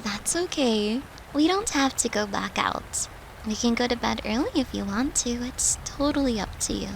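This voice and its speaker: A woman's voice: on the high side, animated, moderate pace, a little hiss or hum, low-quality recording. A woman playing a devoted, playful and protective human girlfriend in an intimate comfort audio roleplay, speaking in a tender, soothing, coaxing way. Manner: tender, soothing, coaxing, slipping into breathy murmurs.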